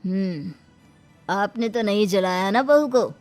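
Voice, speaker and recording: A woman's voice: mid-range voice, a little mellow, soft background music, natural voice. Woman voicing a stern doctor. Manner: measured, stern. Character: stern official doctor, man.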